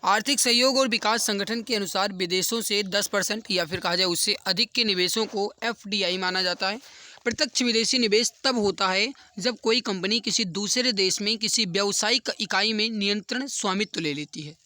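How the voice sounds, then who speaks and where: A man's voice: high voice, moderate pace, bright, forceful tone. A man explaining quiz questions as an exam coaching teacher, repeating key answers for emphasis.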